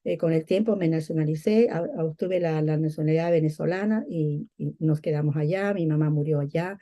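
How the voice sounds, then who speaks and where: A middle-aged woman from Peru shares her personal faith testimony. Her voice is fairly low and soft-edged, very mellow. She talks conversationally and haltingly, circling back over words as she looks for the next one. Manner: halting, searching for words with repeats. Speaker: guest giving testimony.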